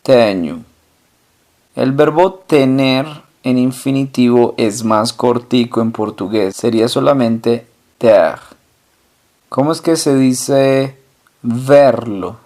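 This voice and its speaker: Slow, deliberate male language teacher. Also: medium pitch, a little mellow. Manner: poses questions, then answers slowly and deliberately, repeating example words. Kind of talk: slow language lesson with drill questions.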